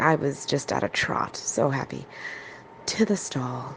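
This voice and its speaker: A woman with an American accent, relaxed in tone, very slow in pace, lively in intonation, over noticeable background noise. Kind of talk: ASMR storytelling. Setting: lo-fi recording. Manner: relaxed, soft-spoken.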